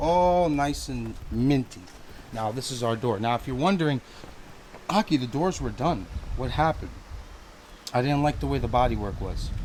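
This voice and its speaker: At a moderate pace, a man speaks as audible room echo rings around his voice. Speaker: car builder vlogger. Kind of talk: casual vlog. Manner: animated; rambling.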